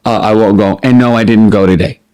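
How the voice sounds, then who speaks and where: Chatty, expressive middle-aged man. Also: fairly low pitch, brisk, smooth. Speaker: vlogger. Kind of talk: casual chat to camera, answering listed questions.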